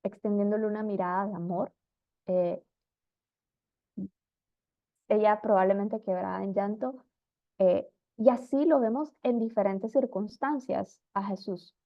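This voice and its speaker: A woman's voice: medium pitch, fairly even intonation, a little slow, long pauses, no echo. A woman giving an earnest Bible teaching talk, retelling stories and acting out the people in them. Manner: earnest storytelling, acts out quoted figures. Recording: dull lo-fi dry sound.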